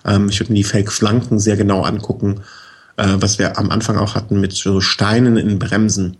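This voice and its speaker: Man, husky voice, lowish pitch, casual guest chat, step-by-step explainer, lots of tag questions. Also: moderate pace. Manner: relaxed, explains step by step, frequent "ne?" tags and fillers. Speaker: bicycle expert guest.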